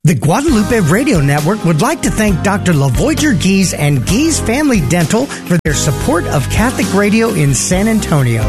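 A woman announcing a sponsor message, reading the phone number and web address slowly. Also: medium pitch, very animated, music in the background. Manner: clear, deliberate, spelling out details. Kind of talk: scripted sponsor ad read.

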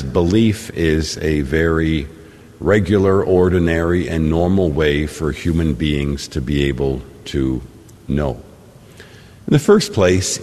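A man serving as priest, reading the Gospel and preaching a homily in a measured, deliberate way, his voice ringing with cathedral echo. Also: rumbling low. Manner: measured, deliberate delivery with pauses. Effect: cathedral echo, long church reverb. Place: large church. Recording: long reverb of a large church.

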